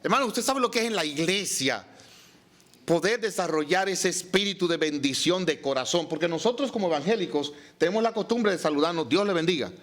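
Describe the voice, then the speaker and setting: A pastor preaching a sermon, reading scripture and asking the congregation rhetorical questions. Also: male voice, high voice, lively intonation, fairly quick, a bit bright.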